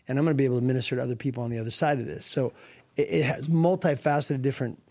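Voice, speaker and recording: A man's voice: mid-range voice, rapid-fire, a little mellow. A man co-hosting a Christian radio talk show, speaking earnestly and reflectively about scripture.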